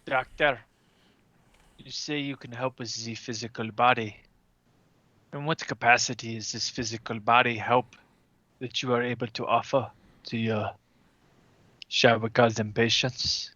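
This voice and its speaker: A man voicing a courteous, probing vampire investigator in a tabletop game, speaking in a measured, formal way. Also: mid-range voice, fairly even intonation, sharp tone, dry recording, lo-fi sound. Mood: coolly probing.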